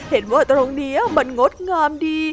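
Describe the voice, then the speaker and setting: A woman's voice: very high-pitched, unhurried, pitched above the performer's own voice. A woman voicing a shy, clumsy young female hippo who keeps apologizing through tears. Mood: tearful apology. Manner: apologetic, tearful. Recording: music underneath.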